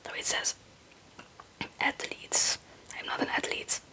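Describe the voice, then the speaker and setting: A young woman, a native Dutch speaker, whispering breathily in a rambling, halting, casual ASMR chat. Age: young adult. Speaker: ASMR video creator.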